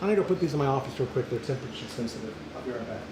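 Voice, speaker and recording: A man's voice: medium pitch, lively intonation, very fast. A man from Central Texas, hosting a homebrew live stream in a chatty, joking, rambling way while he brews. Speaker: homebrew show host. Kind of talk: casual live-stream chat while brewing. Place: brewing area with flies around. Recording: echoey with loud background noise.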